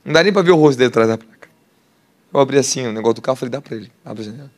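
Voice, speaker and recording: A man with a Brazilian Portuguese accent preaching a sermon, animated and laughing, putting questions to the congregation. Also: medium pitch, rapid-fire. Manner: animated, asks the crowd questions, laughs often. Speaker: apostle preacher. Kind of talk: sermon teaching.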